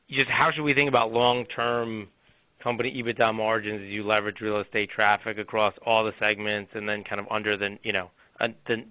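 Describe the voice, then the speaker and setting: A male financial analyst putting questions off the cuff, somewhat haltingly, on an earnings conference call. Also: mid-range voice, dry recording. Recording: dry, slightly dull phone audio.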